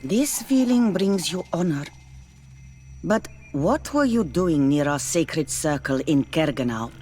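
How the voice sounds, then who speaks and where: An actress playing a bitter, distrustful tribal islander in a video game, speaking formally and accusingly. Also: female voice, sits low, lively intonation, slow, a little mellow, a little hiss or hum. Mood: wary. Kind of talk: scripted video game acting.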